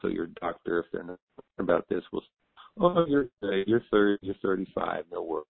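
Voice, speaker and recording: A man explaining health science in a halting way, with many fillers, on a phone line that breaks up and cuts out. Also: sits low, expressive, gravelly, breathy edge, dry recording. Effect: phone line breaking up, cutting out. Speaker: health expert guest. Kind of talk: phone interview. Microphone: phone held to the ear. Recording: tinny dry phone line.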